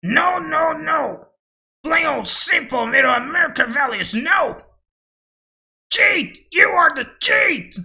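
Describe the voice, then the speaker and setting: A man's voice: extremely high pitch, lively intonation, slow pace, creaky, bright, forceful tone, raised voice, heavily acted. A man voicing a cocky, boastful masked male wrestler in a brash put-on voice for a fan voice demo. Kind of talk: fan voice demo of game quotes.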